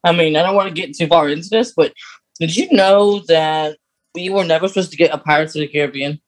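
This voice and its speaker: A man's voice: on the high side, brisk, poor audio. A man co-hosting a podcast in casual, chatty conversation, explaining things like an enthusiast. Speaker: podcast co-host. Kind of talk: casual chat.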